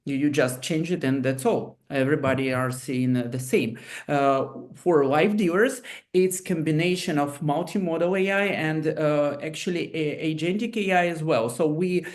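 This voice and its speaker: A man's voice: fairly high pitch, moderate pace. A man who is not a native English speaker, explaining technology on a webinar panel over a video call, hesitant and full of restarts. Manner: hesitant, many fillers and restarts.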